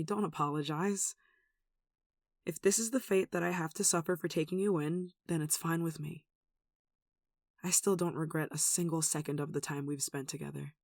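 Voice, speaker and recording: A performer playing a gentle, protective nun in an ASMR roleplay, speaking in a tender, soothing and wistful way. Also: medium pitch, no room sound, studio quality. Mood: tender, reassuring. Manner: tender, soothing, wistful, with sighs and soft chuckles. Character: gentle, protective young nun caring for a sick demon. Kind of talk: ASMR roleplay, soft intimate acting.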